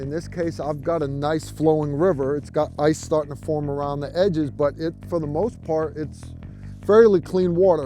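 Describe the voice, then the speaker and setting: A man's fairly high voice with an American accent and fairly even intonation, at a moderate pace with music in the background. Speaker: survival instructor, army veteran. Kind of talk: outdoor tutorial. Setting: outdoors by a river in snow.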